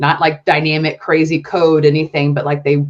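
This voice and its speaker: A woman talks very fast with a Southern US accent. Her pitch is very deep and low. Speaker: web design business owner. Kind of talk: podcast interview. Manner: casual, many fillers.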